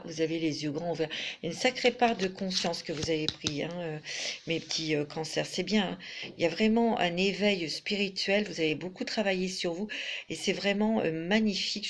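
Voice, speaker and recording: Chatty French-speaking tarot reader woman, low voice. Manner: warm, chatty, many fillers and restarts. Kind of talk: casual tarot reading to camera.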